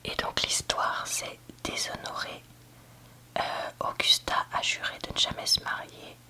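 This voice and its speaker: A book reviewer giving a candid, hesitant ASMR review in a soft library whisper, often searching for words. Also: measured pace. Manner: soft library whisper, almost entirely unvoiced. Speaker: book reviewer, video host.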